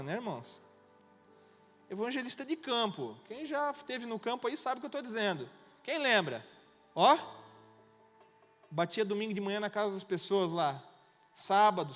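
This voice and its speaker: A man's voice: high-pitched, fairly bright tone. A Brazilian man preaching as a pastor, retelling a conversation and acting out both sides as he tells the story. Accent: Brazilian Portuguese. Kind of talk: sermon with retold dialogue. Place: church hall. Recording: reverberant church hall, instrument behind.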